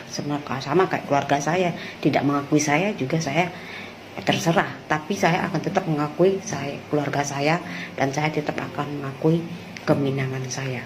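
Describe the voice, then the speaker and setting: A woman's voice: deep voice, background noise. A woman from West Sumatra, speaking casually and insistently, repeating her points with rhetorical questions. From West Sumatra, Indonesia. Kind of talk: casual spoken rebuttal to viewers.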